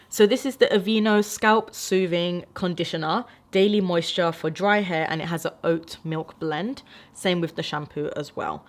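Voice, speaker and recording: A young adult woman chatting casually to camera as she reviews her favourite hair products, with plenty of ums and likes. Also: on the low side. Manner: chatty, many fillers like "um" and "like". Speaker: beauty vlogger.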